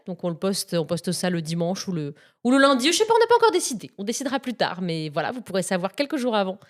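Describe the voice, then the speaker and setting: A young woman hosting a casual film podcast, bubbly and chatty, laughing often as she talks. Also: mid-range voice. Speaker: podcast host.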